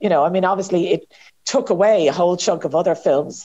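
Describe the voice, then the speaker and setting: A woman with a Dublin accent, very fast, her fairly low, dark, mellow voice showing ordinary pitch variation. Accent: Irish (Dublin). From Ireland. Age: 50s. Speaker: film festival director. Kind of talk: interview conversation.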